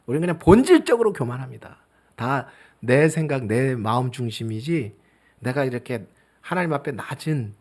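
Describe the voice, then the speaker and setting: A middle-aged male pastor preaching a sermon, swinging between loud emphasis and soft, near-whispered asides. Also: fairly high pitch, vocal fry.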